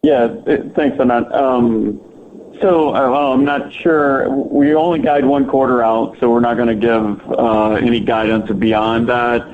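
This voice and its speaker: A man's voice: mid-range voice, fairly even intonation, measured pace. A man speaking as a finance executive, answering analyst questions informally on a conference call over the phone. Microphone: telephone conference line. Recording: thin phone line, faint noise.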